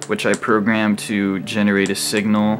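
A man speaks at a moderate pace in a fairly low pitch, with light background noise behind him. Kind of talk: casual gear rundown. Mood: relaxed, slightly amused. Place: home room. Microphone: phone near.

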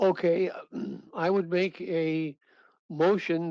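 A man speaks very slowly in a high voice with fairly even intonation. The sound is dry with no echo and the background quiet. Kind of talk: meeting motion. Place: home room. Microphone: headset.

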